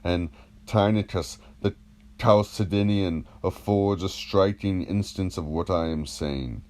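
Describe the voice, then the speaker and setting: Man playing a very deep, measured philosopher. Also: a little mellow. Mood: earnest, expounding. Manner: measured, didactic, rhetorical questioning. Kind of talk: dramatised audiobook reading of a classical dialogue.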